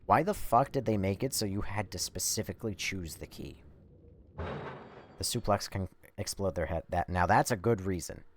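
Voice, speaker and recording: A man doing casual live game commentary, rambling and swearing as he thinks out loud. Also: low-pitched, moderate pace. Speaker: live streamer. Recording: faint background noise.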